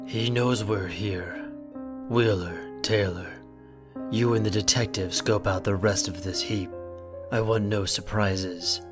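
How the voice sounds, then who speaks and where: A man's voice: fairly low pitch, fairly even intonation, slow, over music. An actor playing a cold, commanding young man in an audio drama, curt and impatient.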